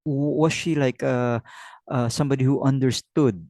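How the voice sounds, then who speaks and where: Host: man of middle pitch, measured and explanatory, close dry sound. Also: steady tone, dark tone, no room sound. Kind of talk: interview.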